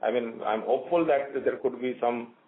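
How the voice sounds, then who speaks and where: A man, a company executive answering questions on an earnings call, speaking in measured sentences with frequent pauses. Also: mid-range voice. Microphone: phone line. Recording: tinny phone line, faint hiss.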